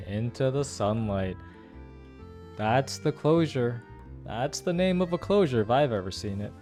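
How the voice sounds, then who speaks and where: A man's voice: lowish voice, a little mellow. A man giving casual, musing playthrough commentary and analysis, repeating phrases for emphasis. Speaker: gaming streamer reacting to a story quest.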